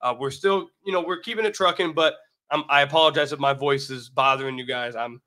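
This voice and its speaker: A sick American man, his voice slightly raggedy, hosts a sports podcast with solo basketball commentary and a sponsor read. He speaks a little fast and emphatically, repeating phrases, in a bright, forceful, mid-range voice.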